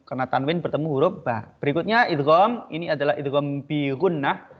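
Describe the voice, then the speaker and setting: A male teacher giving an online lesson, patiently explaining and slowly repeating Arabic letter sounds for students. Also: fairly high pitch. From Indonesia. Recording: dull lo-fi recording.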